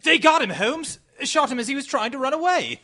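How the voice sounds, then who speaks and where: An actor playing an excitable, genial gentleman sidekick in a radio mystery, with an exclamatory, theatrical manner. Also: extremely high pitch, brisk, exaggerated voice. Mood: alarmed. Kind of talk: old-time radio mystery acting.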